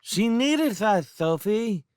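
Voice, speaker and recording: A man's voice: high-pitched, animated, slow pace, a little mellow, smooth, no room sound, studio quality, pitched above the performer's own voice. A man voicing a coy, wheedling little boy with a sweet lisp in an audiobook. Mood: earnest. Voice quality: lisping. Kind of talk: audiobook character voice.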